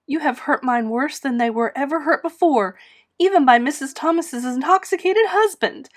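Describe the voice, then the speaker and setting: A woman's voice: sits high, moderate pace, voice pushed up, close to an everyday voice. A woman voicing a furious, indignant eleven-year-old orphan girl in a storybook, in emphatic outbursts. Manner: emphatic, exclamatory, shouting outbursts.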